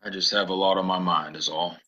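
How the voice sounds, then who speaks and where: An actor playing a troubled, polite war veteran in a Western audio drama, speaking in an earnest, halting way. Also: male voice, low voice, steady tone, sharp tone, lo-fi sound. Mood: gentle, reflective. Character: troubled, soft-spoken male stranger, war veteran in Western town.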